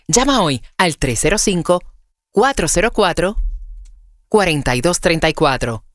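Female ad announcer, low and lively, dry booth. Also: dry recording. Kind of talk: radio ad read.

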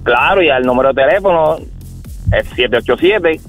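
A man's voice: medium pitch, expressive, normal speed, faint music behind, low-quality recording. A man from Puerto Rico with a Puerto Rican accent, a tour business owner calling a radio show, jovial and boastful.

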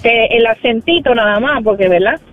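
Very high-voiced caller on tinny phone line. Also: male voice, moderate pace, soft background music. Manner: frank, tired, keeps it brief. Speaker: caller, call center worker. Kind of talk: phone call-in complaint.

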